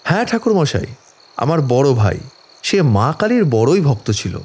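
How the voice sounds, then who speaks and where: A man's voice: mid-range voice, a little mellow. A man playing a distraught village father in an audio horror story, pleading tearfully and deferentially for his afflicted daughter. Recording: background music under the voice. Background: dramatic music.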